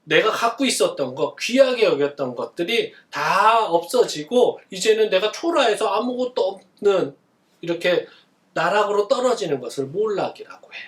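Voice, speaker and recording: Lively high-voiced man preaching to children. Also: moderate pace, roomy sound, distant mic. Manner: animated, asks children questions and answers them. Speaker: pastor. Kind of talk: children's sermon. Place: church.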